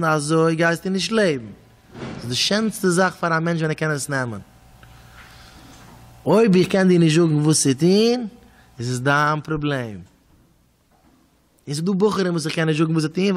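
A man with a Hasidic Yiddish accent preaches a storytelling sermon in a fairly high voice. His delivery swings between soft and loud, and he repeats words as he goes. His voice rings out with a long reverb in a large hall. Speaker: rabbi giving a talk.

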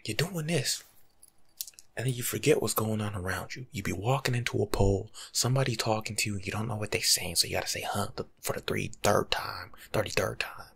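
A young American man giving casual, slangy life-coach advice in an ASMR monologue, breathy and often dropping to a whisper. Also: on the low side, brisk, fairly bright tone. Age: young adult. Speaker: ASMR video creator. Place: small room at home, indoors.

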